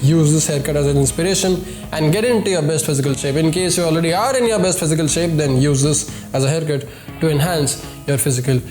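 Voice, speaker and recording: A man's voice: fairly high pitch, quick pace. A man with an Indian accent and a nasal voice from a cold, hosting a men's style tutorial in an emphatic, repetitive way. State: congested with a cold. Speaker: host of a men's grooming video series. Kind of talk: scripted-style hairstyle tutorial addressed to viewers. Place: home studio indoors. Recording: echoey room with music behind.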